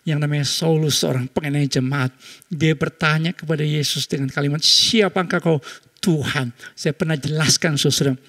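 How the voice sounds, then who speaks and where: A man's voice: on the high side, level tone, a little fast. A man pastor preaching a sermon, telling stories and making pun jokes as he teaches. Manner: storytelling, punning jokes.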